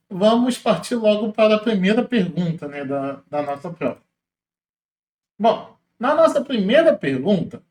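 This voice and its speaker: A man walks through exam questions as a teacher, in a casual, explanatory way, slowing down to spell out syllables. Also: high voice, roomy sound. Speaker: Portuguese teacher.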